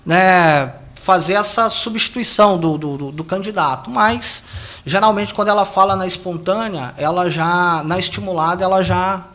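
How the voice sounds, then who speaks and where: High-voiced man explaining polling. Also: normal speed, fairly bright tone. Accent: Brazilian Portuguese. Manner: explains at length, with many restarts and tag questions. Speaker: political analyst and pollster. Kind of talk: explanatory interview answers.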